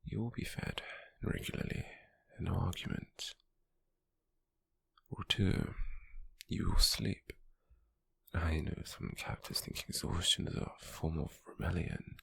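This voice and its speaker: Guy doing a cold possessive slave merchant, british, asmr roleplay, super low husky voice, takes his time, formal n condescending. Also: fairly even intonation, a bit bright, no echo, heavily acted. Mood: stern, controlling. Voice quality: breathy, gravelly, half-whispered. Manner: slow, measured, formal, condescending. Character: cold, possessive male slave merchant, controlling yet intrigued captor. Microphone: close microphone, dry.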